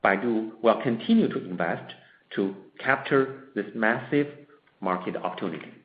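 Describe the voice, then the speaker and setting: A man presenting as a company executive, reading a scripted corporate statement in formal, measured short phrases on a conference call. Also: on the low side, expressive. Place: conference call in a roomy space. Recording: dull, echoey conference-call audio.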